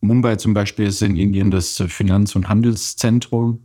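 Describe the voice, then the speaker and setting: Very low, flat male diplomat, measured factual delivery, dry close sound. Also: no room sound. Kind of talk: interview answers.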